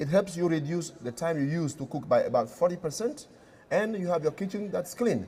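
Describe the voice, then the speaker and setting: A man with a fairly high pitch speaks with lively intonation and a dark, mellow tone. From Togo. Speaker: environmental NGO director. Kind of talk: interview. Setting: conference. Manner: halting, frequent stammered restarts.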